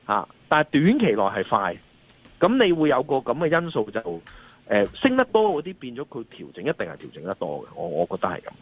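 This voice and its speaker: This financial analyst and columnist, a husky-voiced Hong Kong man, is a guest giving spontaneous market commentary in an interview over a dull call line. He talks briskly at a medium pitch with huge swings in intonation, pressing his points emphatically and repeatedly seeking agreement through rhetorical questions.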